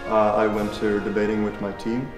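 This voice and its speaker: Young swedish guy, low monotone, lots of uhs, echoey and a bit far off with music. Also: moderate pace. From Sweden. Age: young adult. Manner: hesitant, many fillers. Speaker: debate student. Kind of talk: casual interview answer. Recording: echoey room, off-mic, music behind.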